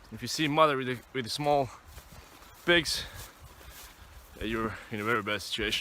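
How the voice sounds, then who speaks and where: With a Croatian accent and a medium pitch, a man speaks at a moderate pace, using ordinary pitch variation and long, frequent pauses. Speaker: bushcraft vlogger. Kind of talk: outdoor vlog narration. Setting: outdoors. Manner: loud.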